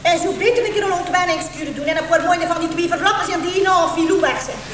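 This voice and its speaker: A woman's voice: extremely high pitch, fast, fairly bright tone, slight background noise. An actress playing a postman's wife who nags and scolds her husband in a stage comedy. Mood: scolding. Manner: scolding, nagging. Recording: distant echoey stage recording with audience.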